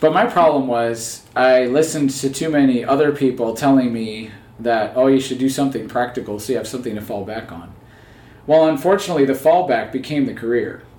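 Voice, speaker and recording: A man with an American accent at a medium pitch and fairly quick pace, ordinary pitch variation, big swings in loudness and audible room echo. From Chicago suburbs, Illinois. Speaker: singer-songwriter and former band teacher. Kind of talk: casual interview.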